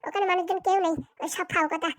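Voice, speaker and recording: A shrill, bossy Bengali village schemer. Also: female voice, little pitch movement, quick pace, no echo, studio quality. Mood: dismissive. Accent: rural Bengali. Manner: scolding, threatening, blustering. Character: bossy, foul-tempered, scheming village woman with political ambitions. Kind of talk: comic cartoon voice acting, colloquial dialect.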